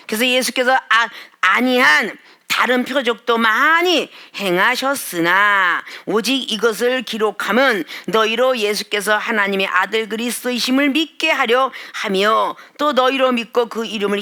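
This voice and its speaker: A woman's voice: fairly high pitch, pushed and bright. A middle-aged woman pastor preaching a sermon with emphatic delivery, acting out complaining churchgoers in a whiny voice.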